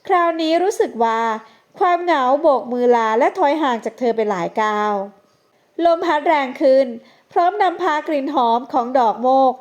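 A woman narrating an audio novel in a measured, expressive reading style. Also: high-pitched. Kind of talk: scripted narration.

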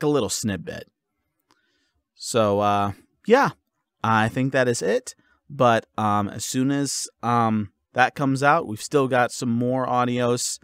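A man giving his listeners a casual update as an audio creator, informal and halting as he thinks aloud. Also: medium pitch, no echo, clean studio sound.

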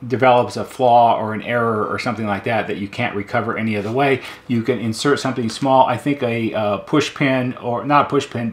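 Methodical middle-aged American repairman. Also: mid-range voice. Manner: methodical, plain-spoken explaining. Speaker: repair technician demonstrating electronics. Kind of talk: unscripted hands-on demonstration. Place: indoor repair workshop at a bench.

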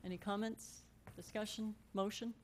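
A woman's voice: mid-range voice, fairly even intonation, moderate pace, a little hiss or hum. A middle-aged American woman speaking informally as the mayor chairing a council meeting, on a desk microphone in a council chamber. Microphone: gooseneck desk microphone.

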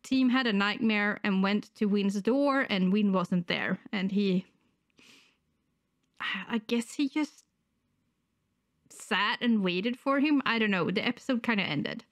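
Mid-range in pitch, she speaks slowly with long pauses, and there's no room sound. She is a middle-aged reaction channel host who is sick and slightly wheezy, chatting hesitantly and casually on camera close to a desktop mic in a small room at home.

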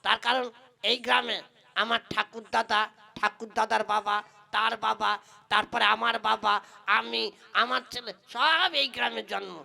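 A woman's voice: on the high side, steady tone, moderate pace, vocal fry, bright, forceful tone, heavily acted. A woman playing a cheeky, greedy male tea seller who stalls and teases in an exaggerated comic puppet play. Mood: cheeky, boastful. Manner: exaggerated, teasing, long-winded.

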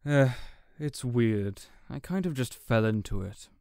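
A man's voice: mid-range voice, expressive, measured pace, gravelly, mellow, no echo. Reserved, self-doubting villain businessman, male actor, audio roleplay, close dry sound. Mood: resigned. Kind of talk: character audio roleplay acting.

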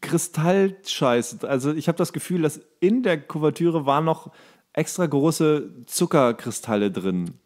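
A man's voice: fairly high pitch, expressive, unhurried, a little mellow. A man co-hosting a podcast in casual comedic chat, talking in a crude, colloquial, jokey way. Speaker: podcast co-host.

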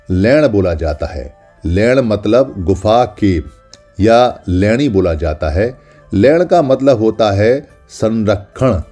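Slow, deep-voiced solemn male narrator. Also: warm tone. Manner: solemn, speaks as the caves themselves in first person; deliberate, lists names one by one. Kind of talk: scripted documentary narration. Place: voice-over.

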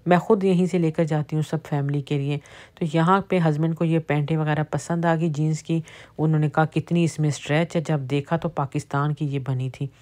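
Her voice deep, steady and mellow, the Pakistani vlogger talks briskly about prices. The middle-aged woman is filming a casual shopping video on a handheld phone inside a big warehouse store.

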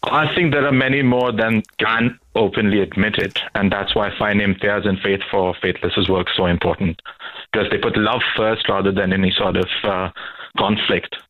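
A man's voice: lowish voice, fairly even intonation, normal speed. Man on a tinny phone line. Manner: earnest, stumbles and repeats words. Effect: tinny phone-line sound. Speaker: radio phone-in caller. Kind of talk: phone-in debate talk.

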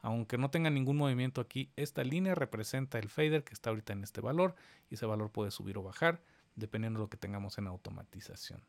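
A man, giving a step-by-step screen-recorded software lesson and talking straight to his viewers. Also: medium pitch, animated, quick pace, vocal fry. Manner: explains step by step, addressing viewers directly. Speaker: instructor.

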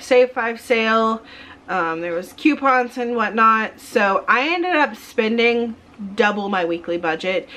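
Woman, thirties, casual chatter, mid-pitched voice, faint background hum. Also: fairly bright tone. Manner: chatty, rambling with fillers and restarts. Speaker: vlogger. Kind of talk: casual haul vlog. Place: home kitchen, indoors.

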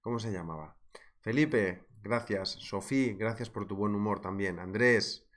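A man with a lowish voice and a Spain Spanish accent teaches trading in a live market-analysis webinar at a measured pace. He's chatty and joking, greeting viewers by name.

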